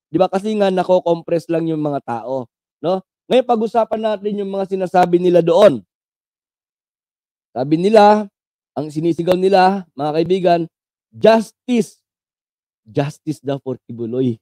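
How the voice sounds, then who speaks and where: A man's voice: high-pitched, mellow, dry recording. A man from the Philippines giving casual live political commentary, talking to viewers as friends with constant tag questions, sliding English phrases in, and a mocking, sarcastic edge. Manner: mixes English phrases into his talk.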